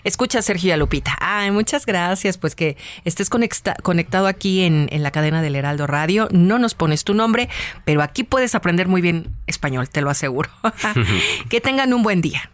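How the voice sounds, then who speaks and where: A Mexican woman co-hosts a live radio news program, reading listener messages aloud from a studio microphone. She chats between them with quick, friendly asides. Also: on the low side, expressive, no echo. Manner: chatty, reads messages aloud with warm asides.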